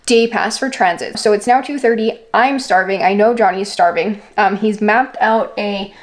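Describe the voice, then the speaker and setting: A woman's voice: medium pitch, moderate pace. A woman talking casually to camera as a travel vlogger, in an informal, conversational way with "like" sprinkled through. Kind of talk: casual vlog chat to camera.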